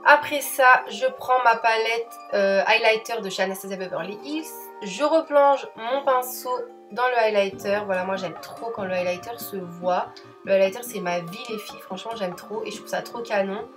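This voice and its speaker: A young woman talks through her makeup routine in a chatty, enthusiastic voice-over. Her voice sits at an ordinary middle pitch. Quiet music plays beneath her. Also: moderate pace. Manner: chatty, enthusiastic, addresses viewers as girls. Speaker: beauty vlogger.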